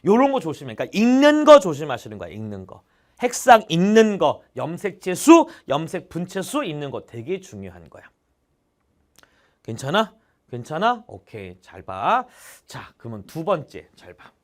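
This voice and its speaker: Young male tutor, high and lively delivery, exclaims mid-explanation, constant "got it?" check-ins. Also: moderate pace. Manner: chatty, checks in with students constantly. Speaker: biology tutor. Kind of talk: online exam-prep lecture.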